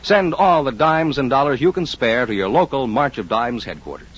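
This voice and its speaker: A man announcing on an old-time radio show, his delivery lively and swinging in pitch, a little husky at the edges. The recording is dull and lo-fi, with faint music under it. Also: normal speed. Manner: polished, booming announcer delivery. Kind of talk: scripted radio announcing and ad reading.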